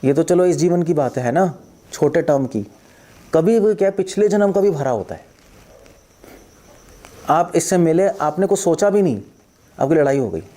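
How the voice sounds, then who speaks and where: A man giving a spiritual discourse as a monk who was once a doctor. His voice is mellow and rounded, never sharp. He tells stories with lively repetition and acts out the quoted thoughts of the people in them. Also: on the high side, normal speed, long pauses. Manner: animated storytelling, acts out quoted thoughts and repeats phrases.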